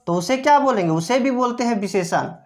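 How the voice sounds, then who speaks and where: A woman's voice: fairly high pitch, lively intonation, brisk, darkish tone. A woman grammar teacher explaining step by step, asking rhetorical questions and answering them herself, repeating each key term. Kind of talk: classroom-style explanation.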